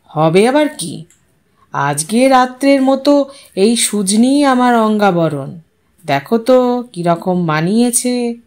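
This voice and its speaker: A woman's voice: fairly high pitch, expressive, slow, long pauses, a little mellow. A woman voicing a wry, bantering, easygoing young husband in an audio story. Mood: playful.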